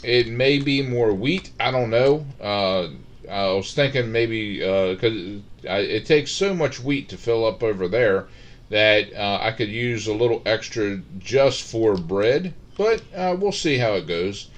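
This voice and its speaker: A man's voice: fairly low pitch, expressive, measured pace. A middle-aged man giving casual, rambling commentary on his Minecraft game, full of fillers and restarts. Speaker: Minecraft let's-play host.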